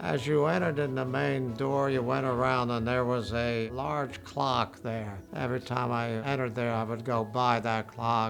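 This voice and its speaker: With audible room echo and noticeable background noise, a man speaks at a moderate pace and medium pitch with hardly any pauses, very even loudness and ordinary pitch variation. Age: 90s. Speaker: university alumnus and war veteran. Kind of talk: interview testimony.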